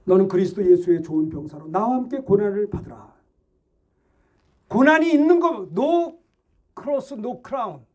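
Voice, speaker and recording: Middle-aged male preacher, very high-pitched, fiery and shouting, pressing the congregation with questions. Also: expressive, moderate pace. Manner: shouting, exhorting, rhetorical questions. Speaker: pastor. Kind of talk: fervent Sunday sermon.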